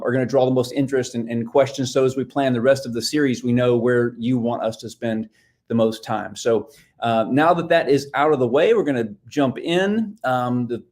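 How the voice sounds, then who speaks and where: A man with a medium-pitched, slightly mellow voice works as a book publicist based in Nashville. He appears casually as a guest expert on a live stream, and his speech is full of ums, fillers and restarts.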